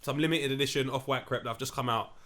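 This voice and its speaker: A man's voice: mid-range voice, fairly even intonation, fast, a bit bright. A man co-hosting a podcast, telling stories and teasing in casual chat. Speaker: podcast co-host.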